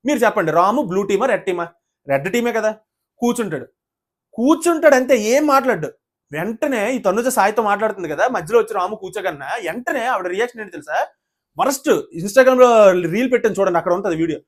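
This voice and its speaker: A man's voice: high voice, lively intonation, a little fast. A man ranting indignantly in an opinionated video review, often addressing the viewers as "brother". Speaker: YouTube reviewer of a reality show.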